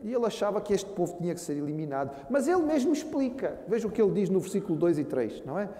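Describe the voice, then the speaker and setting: A man's voice: sits high, big pitch swings, fast talker, mellow. A man with a Brazilian Portuguese accent, a pastor preaching a sermon who earnestly calls his listeners brothers. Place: church hall. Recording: echoey church hall with long reverb.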